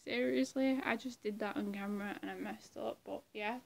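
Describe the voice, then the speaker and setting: A woman's voice: medium pitch, fairly even intonation, moderate pace, gravelly. A young woman chatting casually to her webcam in a small room, swearing and laughing often. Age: young adult. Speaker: vlogger. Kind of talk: casual vlog chat.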